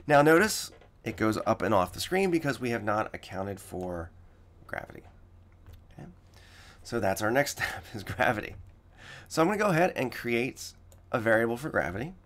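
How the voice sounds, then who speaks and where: A man with a slightly raspy voice teaching coding in a screen-recorded tutorial, explaining each step and repeating the key points. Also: medium pitch, sing-song, normal speed, long pauses, a bit bright.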